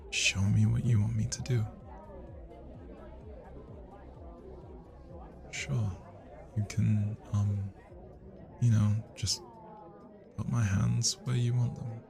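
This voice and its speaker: A young man with a British accent playing a shy, flustered, sweet guy at a party in an intimate ASMR roleplay, speaking softly and hesitantly. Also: on the low side, gravelly. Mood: eager, shy. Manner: hesitant, bashful, soft-spoken.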